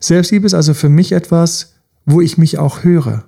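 A man's voice: a little high, fairly even intonation, normal speed, vocal fry, dark tone, breathy edge. A man hosting a self-help podcast, coaching listeners directly with repeated rhetorical questions. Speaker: podcast host.

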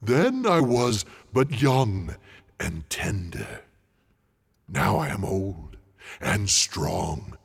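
A man voicing a huge, ancient, boastful male dragon, slow, booming and gloating. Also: big pitch swings, creaky, breathy edge, big-room sound, heavily acted.

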